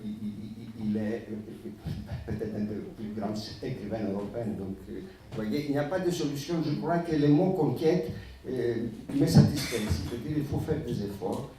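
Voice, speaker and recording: A man's voice: medium pitch, moderate pace, mellow, slight background noise. A man commenting on a literary panel in a conference hall, emphatic yet hesitating with fillers. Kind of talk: panel discussion. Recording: echoey hall from far off.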